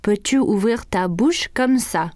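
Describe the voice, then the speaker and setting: A woman's voice: medium pitch, takes it slowly, darkish tone, no room sound, clean studio sound, natural voice. A woman playing a kindly, reassuring family doctor in a children's cartoon.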